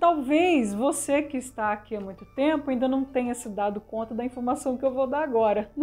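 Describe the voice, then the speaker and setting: Her pitch is high for a woman, with ordinary pitch variation. She talks at a moderate pace. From Rio de Janeiro, Brazil. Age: 40s. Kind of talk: personal testimony to viewers.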